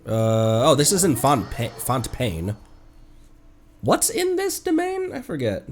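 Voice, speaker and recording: A man chatting casually on a live game stream, playful and quick to react excitedly. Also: mid-range voice. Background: video game music.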